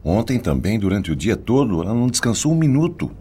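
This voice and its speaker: An actor playing a concerned, tender man of the household in a radio drama, speaking gently and with sympathy. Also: on the low side, big pitch swings, fast, slight background noise.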